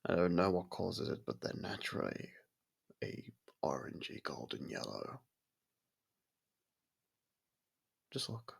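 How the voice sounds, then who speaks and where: A man playing a courteous, brooding vampire in an intimate ASMR audio roleplay, with a gravelly, husky voice and halting, hushed delivery. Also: deep voice, big pitch swings, heavily acted. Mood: disbelieving, flustered. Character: brooding male vampire, courteous, softened toward a human. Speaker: voice actor.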